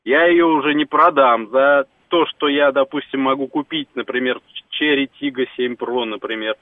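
A man calling in to a radio show, explaining at length and pausing while he searches for words. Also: medium pitch, fairly even intonation, no room sound. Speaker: caller. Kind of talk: phone call to a radio show. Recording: tinny phone line.

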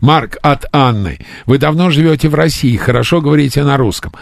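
A man's voice: a little high, fairly quick, gravelly, no room sound, clean studio sound. A man hosting a radio interview, telling jokes and reading out listener questions. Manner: jokey, reads out listener questions. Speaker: radio host.

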